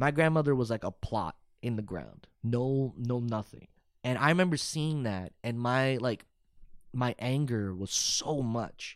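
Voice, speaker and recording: With an American accent and a plain, everyday voice, a man speaks at a fairly slow pace, a medium pitch and ordinary pitch variation. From North Texas (Dallas-Fort Worth area), Pakistani family. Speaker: visual artist. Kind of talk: interview.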